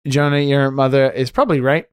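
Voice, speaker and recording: A man from Wales with a mostly neutral British accent that has picked up American sounds, co-hosting a podcast in casual chat, soft-spoken and rambling with a lot of "like". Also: mid-range voice, fairly even intonation, brisk, smooth, no echo. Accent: mostly neutral British with some American pronunciations. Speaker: podcast co-host.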